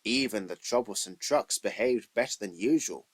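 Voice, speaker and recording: A man's voice: fairly low pitch, normal speed, husky. A man reading scripted narration for a children's train story as its storyteller.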